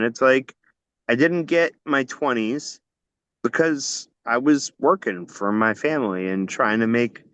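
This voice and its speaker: A man's voice: medium pitch, sharp tone, clean tone, no echo, muffled recording. A man in his forties chatting loosely as a podcast guest, rambling and cursing casually. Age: 40s. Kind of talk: casual chat.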